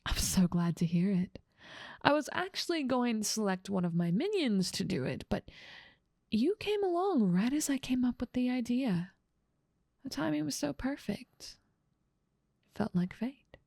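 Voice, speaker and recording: Woman acting as a slow-talking, teasing demon queen. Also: fairly high pitch, big pitch swings, creaky, a little mellow, no room sound, clean studio sound, voice pushed up, heavily acted. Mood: pleased. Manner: teasing, condescending, self-assured. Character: dominant female demon ruler of hell, playfully menacing. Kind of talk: ASMR roleplay acting.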